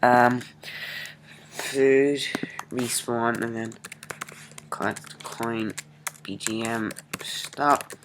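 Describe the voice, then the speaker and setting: A man hosting a casual coding screencast, thinking aloud informally and haltingly as he works at his computer. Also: medium pitch, steady tone, noisy background. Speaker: programming tutorial host. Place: indoors at a computer, screen recording.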